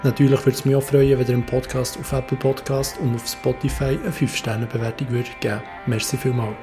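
A man's voice: mid-range voice, little pitch movement, brisk, dark tone, faint music behind. A man with a Swiss accent speaking as a podcast host and interviewer in a conversational style.

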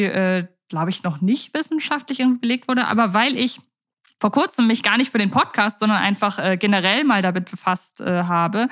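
Chatty woman podcast co-host. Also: on the high side. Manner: chatty, thinks aloud with fillers. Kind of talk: casual podcast discussion.

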